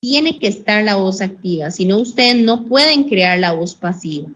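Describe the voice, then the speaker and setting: Woman, English teacher, online class, patient, repeats examples, slow careful English phrases, dull call audio, faint background noise. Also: medium pitch, lively intonation, a bit bright. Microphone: computer mic on a video call.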